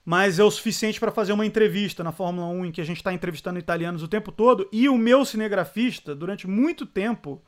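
A man, a sports journalist chatting as an interview guest. He is animated, laughs often and drops words from other languages. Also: high voice, fast talker, hardly any pauses. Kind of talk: casual interview chat.

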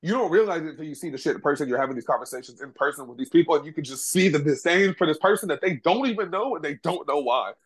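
A man's voice: a little high, expressive, racing, few pauses, husky. A man with an African American accent in casual, slangy and profane sports banter, speaking emphatically as a podcast co-host.

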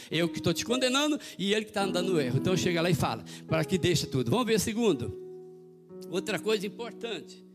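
A male pastor delivers an evangelical sermon, his voice pitched high and his words tumbling out quickly. He tells his stories animatedly and acts out each character's voice, while live guitar music plays clearly behind him in the church. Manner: animated storytelling, acting out quoted voices.

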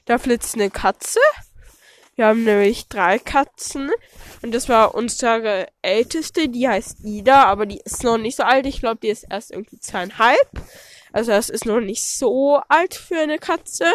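A woman with a stuffed-up nose from a cold talks at an unhurried pace in a fairly high voice. She rambles and thinks aloud as she narrates her stable chores, with false starts along the way. She is recorded outdoors in the snow on a phone with a plugged-in mic. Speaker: podcaster. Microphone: phone with a plugged-in cable mic.

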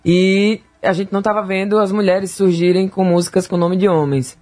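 A woman's voice: mid-range voice, steady tone, moderate pace, darkish tone. A woman, a singer chatting casually in an interview, correcting herself as she goes.

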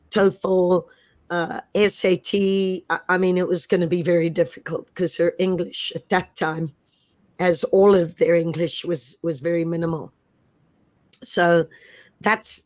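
A woman's voice: lowish voice, darkish tone, no echo. A middle-aged woman from Zimbabwe, a coach, reflecting thoughtfully in an interview. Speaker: sports coach.

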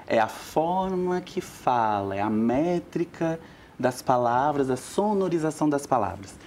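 A woman's voice: low voice, measured pace, a little hiss or hum. A woman, a vocal teacher talking expressively as a guest on a TV talk show. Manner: expressive and chatty, calls people "meu amor". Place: TV studio.

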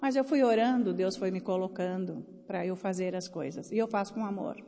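A woman's voice: medium pitch, fairly quick, mellow. A Brazilian woman preaching a sermon to a conference crowd, blunt and exhorting. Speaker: preacher raising offerings at a conference. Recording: long hall reverb.

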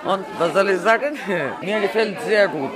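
Woman, plain simple German, loud crowd chatter behind. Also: mid-range voice, animated. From Albania. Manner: simple halting German, friendly. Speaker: café visitor. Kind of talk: short interview answer.

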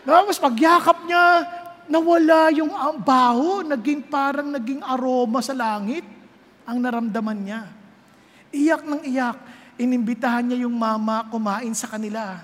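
A woman preaches in a high voice, her sermon full of storytelling. She leaps from loud exclamations down to quiet, intimate tones. Her voice carries a long reverb, as in a large church hall. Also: measured pace. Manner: animated, swings from loud exclamations to hushed tones.

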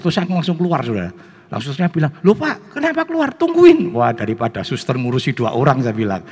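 Lively Javanese-accented pastor in a reverberant hall. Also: male voice, on the low side. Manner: animated, keeps addressing the congregation. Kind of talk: sermon.

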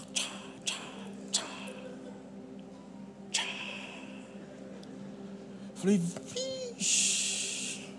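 A man with a Brazilian Portuguese accent, a pastor telling lively stories in a sermon, acting out scenes with shouts and laughter. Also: extremely high pitch. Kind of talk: storytelling sermon. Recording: long hall reverb, faint noise.

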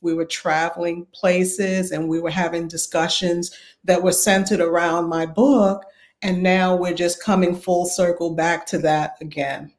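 Calm, slightly raspy woman. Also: fairly low pitch, a little slow. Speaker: pastor and relationship coach. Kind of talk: podcast guest conversation.

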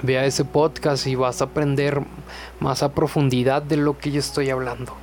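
A man's voice: medium pitch, level tone, normal speed, soft background music. A young man hosting his Christian podcast, chatting casually with lots of fillers and joking asides. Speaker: podcast host.

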